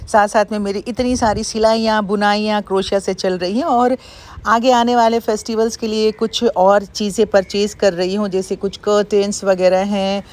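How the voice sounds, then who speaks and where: A woman's voice: medium pitch, steady tone, moderate pace, darkish tone. A middle-aged woman narrating a casual daily vlog in a chatty, explanatory way. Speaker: vlogger and radio broadcaster.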